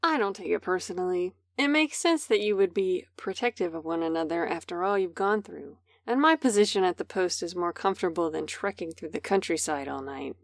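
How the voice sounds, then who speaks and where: A woman's voice: fairly low pitch, expressive, a little fast, hardly any pauses, no echo. A woman playing a poised, courteous, faintly condescending character with formal, polished speech in an audio drama. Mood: polite, cool. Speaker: voice actor.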